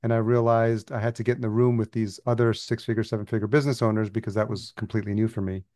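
A man's voice: on the low side, level tone, quick pace, darkish tone, dry recording, clean studio sound. A man from El Salvador, a podcast agency founder, telling his story as a guest in a casual interview and laughing easily.

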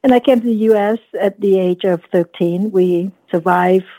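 A woman in her fifties from Vietnam, a guest telling her story in an earnest, reflective way, often pausing with "you know.". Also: medium pitch, dark tone, no echo, poor audio. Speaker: guest, dentist and coach. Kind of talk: casual podcast interview.

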